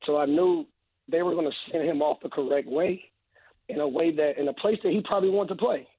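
A man speaks as a radio guest over a tinny, dry phone line. His voice is hoarse and husky because he is losing it, yet he stays earnest and emphatic and repeats phrases for weight. He sits a touch higher than most men. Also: fairly quick, no echo. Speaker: guest football analyst. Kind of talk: radio interview, sports analysis.

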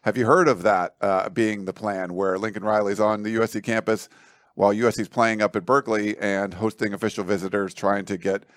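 A man's voice: on the low side, no echo, studio quality. A man hosting a casual sports talk show, asking chatty, roundabout questions. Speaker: sports podcast host.

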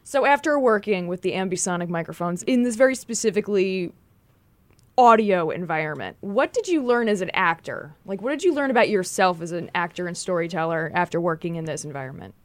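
A woman's voice: on the low side, expressive, brisk, no room sound. A woman interviewing a guest on a podcast in a casual, chatty style.

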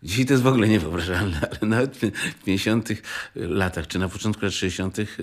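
An older man reminiscing conversationally, haltingly and repeating words. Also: on the low side.

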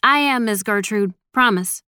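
A woman's voice: mid-range voice, unhurried, sharp tone, clean tone, no echo, studio quality. A woman voicing a brash, slangy young neighborhood woman who respects her elders, in an audiobook. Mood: respectful. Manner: slangy, casual.

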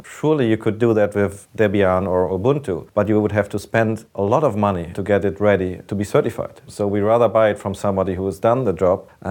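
A man's voice: lowish voice, a little mellow. A man with a German accent giving explanatory answers as an interview guest. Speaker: data center manager, interview guest.

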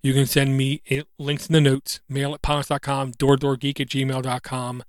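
A man's voice: mid-range voice, monotone, dry recording, studio quality. A man in his thirties hosting a solo podcast, earnest and reflective, with a slight speech impediment that brings out an occasional stutter. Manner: earnest, reflective, halting with fillers. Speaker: podcast host.

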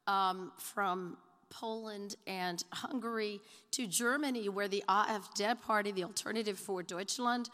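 A hoarse woman of medium pitch gives an academic talk while losing her voice. She stumbles through restarts and fillers, slipping in wry asides. Her words ring out with a long hall reverb. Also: fairly bright tone. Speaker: conference panelist. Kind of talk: semi-prepared academic talk.

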